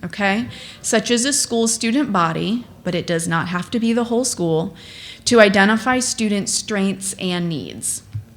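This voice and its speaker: A woman with an American accent speaks at a fairly slow pace in a somewhat breathy, fairly high voice with ordinary pitch variation. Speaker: psychologist presenter. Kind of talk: conference talk.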